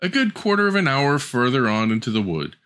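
A man voicing a sweet, trusting little girl in a storybook reading, pitching his voice high and gentle. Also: very animated, brisk. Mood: innocent. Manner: high, wide-eyed, gentle.

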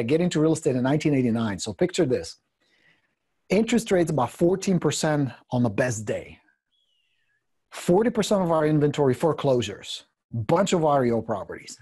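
A man's voice: on the high side, mellow, breathy edge. A man in his fifties with a Czech accent, a guest coach telling his story bluntly and jokingly, with some swearing, into a desk microphone in an indoor studio. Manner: blunt, profane, joking, gestures a lot. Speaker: guest real estate coach. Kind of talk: candid storytelling in a video interview. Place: indoor studio room with brick wall. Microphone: desk condenser microphone.

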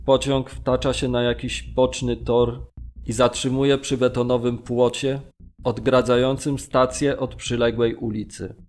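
A man acting as a prisoner recounting a train journey in measured, sombre radio-drama narration. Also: mid-range voice, little pitch movement, a little mellow, lightly acted. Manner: measured, descriptive recitation. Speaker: actor reading a prisoner's account.

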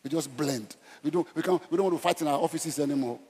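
A middle-aged Nigerian pastor with a slightly high, darkish, slightly rough voice talks fast through an evangelistic sermon, exhorting emphatically in short repeated phrases before turning conversational. He preaches on stage in a large church auditorium wearing a headset, with echoey hall sound.

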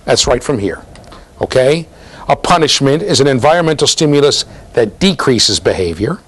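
A man's voice: mid-range voice, moderate pace, husky. A middle-aged man giving an interactive university lecture, quizzing his students as he talks. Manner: questioning students, lively, gestures while talking. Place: office with bookshelves, linked to a classroom.

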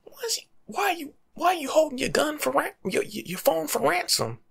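A young American man giving casual, slangy life-coach advice in an ASMR monologue, breathy and often dropping to a whisper. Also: very high voice, big pitch swings, brisk, fairly bright tone, slight background noise. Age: young adult. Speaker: ASMR video creator. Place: small room at home, indoors.

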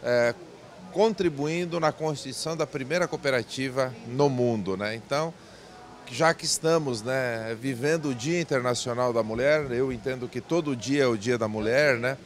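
Older guy, bank president at a fair stand, slow careful talk, handheld mic. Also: mid-range voice. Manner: measured, repeats and restarts phrases. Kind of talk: event interview. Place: indoor event stand with backdrop.

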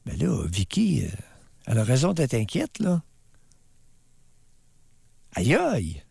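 A man's voice: medium pitch, wildly swooping pitch, moderate pace, vocal fry, mellow, slightly rough, no room sound. A Québécois man hosting a call-in radio show, blunt and sarcastic, firing probing questions at callers. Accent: Québécois French. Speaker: radio host.

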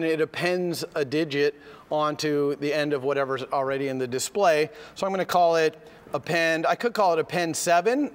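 A man with a slightly hoarse voice from a cold, teaching a live coding lecture step by step and often checking in with "okay?". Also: a little high. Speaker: university lecturer. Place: lecture hall. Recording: lecture hall with long reverb.

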